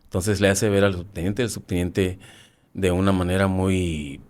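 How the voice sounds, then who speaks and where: A man in his fifties with a Mexican accent, a former soldier recounting his own experience in a halting way, often restarting and repeating words. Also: deep voice, fairly even intonation, darkish tone. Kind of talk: personal war-story testimony.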